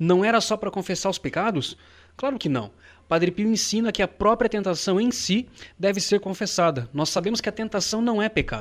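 This man's voice is high-pitched, with ordinary pitch variation. He talks at a fairly quick pace. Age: 30s. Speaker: bank worker and church musician. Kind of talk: religious talk show. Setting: studio.

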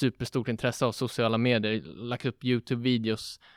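An ordinary speaking voice from a man at a moderate pace, dry and close with no echo, on a very clean recording with a silent background. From Sweden, Södertälje. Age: 20s. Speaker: entrepreneur. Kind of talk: casual chat.

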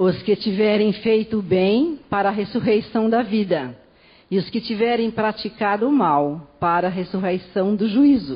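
The voice is somewhat breathy, with very even loudness. It moves at a fairly slow pace. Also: woman, medium pitch for a woman. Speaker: scripture reader in church service. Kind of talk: reading aloud.

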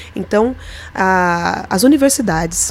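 Here a woman speaks with lively intonation. Background noise is noticeable. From Araraquara, São Paulo interior, Brazil. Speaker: state legislator. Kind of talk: interview.

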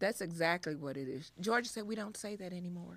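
A woman with an American accent, medium pitch, fairly quick pace, on a very clean recording with a silent background. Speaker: community activist. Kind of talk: interview.

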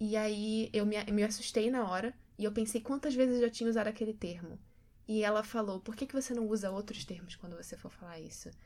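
A woman's unremarkable speaking voice, fairly high and fairly quick, with fairly even intonation and big swings in loudness. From Brazil. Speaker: journalism student. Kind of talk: panel debate.

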